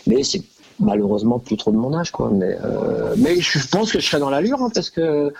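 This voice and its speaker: An older French man, a former cyclist, telling stories in a hesitant, animated way full of fillers. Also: mid-range voice, normal speed, creaky, slightly rough. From France. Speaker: guest, former track cyclist. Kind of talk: casual conversation.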